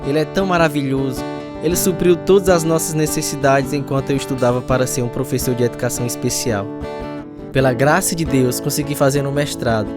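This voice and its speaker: A man's voice: medium pitch, steady tone, fairly quick, over music, natural voice. A man with a Brazilian accent playing a devout, grateful retired teacher in a radio drama, speaking earnestly. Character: devout retired special education teacher, grateful older husband. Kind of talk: radio drama acting with first-person narration.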